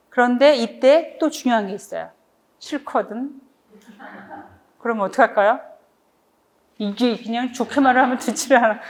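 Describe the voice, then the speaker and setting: Lively woman lecturer, slightly high voice. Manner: lively, acts out quoted requests and replies, laughs often. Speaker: nonviolent communication trainer. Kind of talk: lecture to a studio audience.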